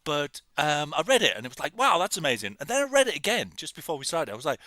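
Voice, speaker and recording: A man's voice: a little high, fast talker, dry recording. A man hosting a casual, jokey chat show. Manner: lively, jokey, animated. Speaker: podcast host.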